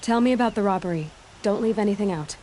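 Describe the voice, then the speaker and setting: An actress playing a brisk, self-reliant young tribal hunter in a video game, speaking in a terse, matter-of-fact way. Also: female voice, medium pitch, mellow, a little hiss or hum, natural voice. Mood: businesslike. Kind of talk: video game dialogue acting.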